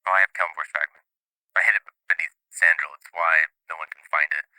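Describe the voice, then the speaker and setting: A man voicing a deep, sarcastic island mage. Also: fairly even intonation, fast, bright, forceful tone, clear, resonant tone, no echo, heavily acted, rough recording. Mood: stern. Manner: sarcastic, scolding. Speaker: player voicing a mage on a sending call. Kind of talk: tabletop role-play.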